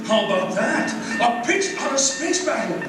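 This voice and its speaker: A man playing a wisecracking, theatrical robot space explorer in a live comic script reading, with droll, drawn-out delivery. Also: very high voice, big pitch swings, loud music behind the voice. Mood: sardonic, mock-dramatic. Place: live convention stage reading. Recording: distant echoey hall, loud noise.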